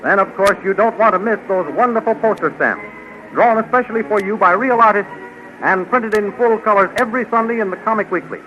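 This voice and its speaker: A man announcing and narrating a 1930s radio serial in a bright promotional manner, recorded on a dull old radio broadcast. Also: sits high, fairly quick, faint music behind.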